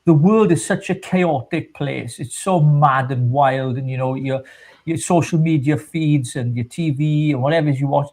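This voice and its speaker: Fifties male co-host, casual and sincere, slightly higher pitch. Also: normal speed, darkish tone. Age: 50s. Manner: chatty, self-mocking, sincere. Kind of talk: casual chat.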